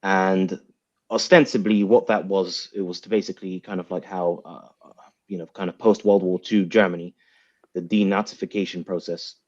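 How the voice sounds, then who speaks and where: Man, very deep voice, panel analyst, circling hesitant phrasing, rhetorical questions, slightly dull online-call recording. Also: steady tone, moderate pace. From grew up in the West, of Iraqi background. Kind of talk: spoken political analysis in an online panel debate.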